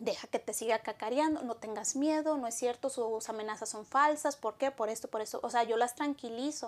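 A high-pitched woman's voice at a fairly quick pace, with hardly any pauses, fairly even intonation, and a very clean recording over a silent background. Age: 30s. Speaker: photographer. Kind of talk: casual interview chat.

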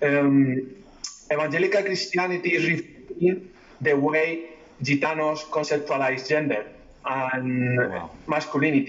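A man with a Spanish accent speaks in a fairly high voice. Noticeable background noise runs behind him. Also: ordinary pitch variation, moderate pace. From Spain, Madrid. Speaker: anthropologist, PhD student. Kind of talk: interview. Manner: halting.

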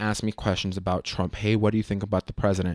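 An animated man speaks at a fairly low pitch in a very clean recording with a silent background, the sound dry and close with no echo. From USA. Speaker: podcast host. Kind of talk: solo casual monologue. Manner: animated, many fillers.

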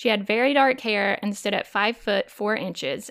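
At a moderate pace, a woman speaks in a plain, everyday voice of medium pitch with ordinary pitch variation, on a very clean recording with a silent background. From North Carolina. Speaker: true crime podcast host. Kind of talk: true crime narration.

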